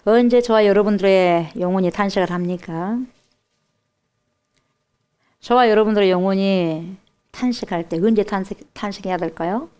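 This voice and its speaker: A woman's voice: medium pitch, moderate pace, pauses often, a little mellow, clean tone. A woman pastor with a Jeolla accent preaching a sermon emphatically and putting direct questions to the congregation.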